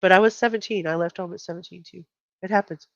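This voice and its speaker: A woman's voice: fairly low pitch, fairly even intonation, fast, no room sound, dull audio. A middle-aged woman, hosting a casual true crime live stream, reading out and commenting in a conversational, blunt way.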